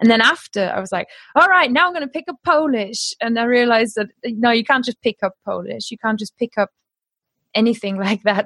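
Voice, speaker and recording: A woman with a German accent talks at a fairly quick pace in a bright, sharp tone, her fairly high pitch and lively intonation caught in a dry, close sound with no echo. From Germany. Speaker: language teacher and online course creator. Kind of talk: interview.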